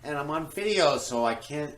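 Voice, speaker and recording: A woman's voice: low-pitched, lively intonation, normal speed, slight background noise, low-quality recording. A trans woman with a Southern accent, chatting and teasing playfully while filming a casual home vlog. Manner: playful, teasing questions, laughs often. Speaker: vlogger filming her family. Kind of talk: casual handheld vlog chat. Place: at home, then outdoors in a driveway.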